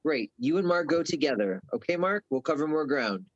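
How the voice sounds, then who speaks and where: A man playing a guarded, noncommittal young boyfriend in a table read, low-key and terse. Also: expressive, a little fast. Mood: brisk, appeasing. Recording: dull, muffled remote-call audio.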